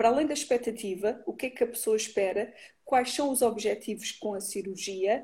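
A woman with a dark, mellow tone and fairly high pitch talks at a moderate pace, her pitch varying the ordinary amount. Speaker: clinical psychologist. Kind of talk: interview on live stream. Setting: online live video stream.

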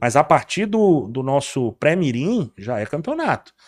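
A man talks at a moderate pace in an ordinary speaking voice, with lively intonation over a quiet background. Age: 50s. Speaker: social club president. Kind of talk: podcast interview.

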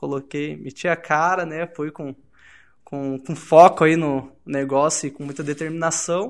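This man has a plain, everyday voice, fairly high for a man, and talks at a fairly slow pace against a quiet background. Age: 20s. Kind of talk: casual chat.

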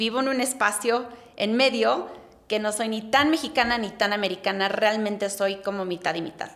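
Her voice is an ordinary speaking voice, fairly high for a woman. She speaks at a moderate pace with ordinary pitch variation. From Colorado mountains, Mexican family. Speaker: entrepreneur, cacao business founder. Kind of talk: interview.

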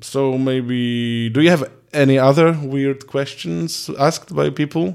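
Speaking at a very slow pace, a man with a Polish accent uses lively intonation at a medium pitch. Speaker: podcast host. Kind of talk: casual interview.

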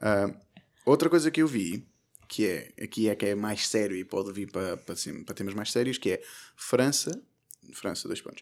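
With an unremarkable speaking voice, a man talks at a moderate pace and a fairly low pitch, his intonation lively, on a very clean recording with a silent background. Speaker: podcast host. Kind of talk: casual chat.

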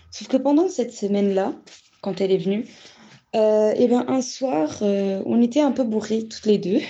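A woman talks at a moderate pace with lively intonation and a fairly high pitch. Her tone is dark and mellow, and somewhat breathy. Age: 20s. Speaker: student. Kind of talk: voice message. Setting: phone call.

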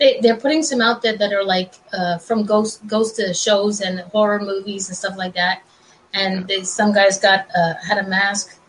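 Speaking at a moderate pace, a woman has a plain, everyday voice, a medium pitch and fairly even intonation. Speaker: podcast host. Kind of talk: casual chat.

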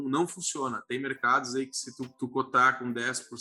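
A man's bright, sharp, medium-pitched voice with monotone, flat intonation and a moderate pace. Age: 30s. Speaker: foreign trade consultant. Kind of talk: casual chat. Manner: halting.

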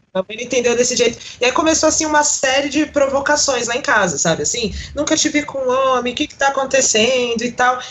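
Over noticeable background noise, a woman talks very fast in a high voice with ordinary pitch variation. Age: 20s. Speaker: historian. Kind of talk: casual interview chat.

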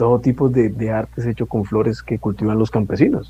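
In a Colombian accent, a man speaks at a medium pitch with monotone, flat intonation. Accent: Colombian Spanish, unlike a well-known singer. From Colombia (born Barranquilla, lives near Bogotá). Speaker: guest, coworker. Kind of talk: casual chat. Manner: halting, many repeated words.

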